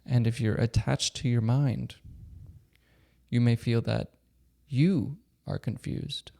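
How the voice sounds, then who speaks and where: Male meditation guide: soft-edged, relaxed tone with some vocal fry, calm and gentle, leaving generous space between phrases. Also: medium pitch. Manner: calm, gentle, unhurried instruction with long pauses. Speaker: meditation teacher.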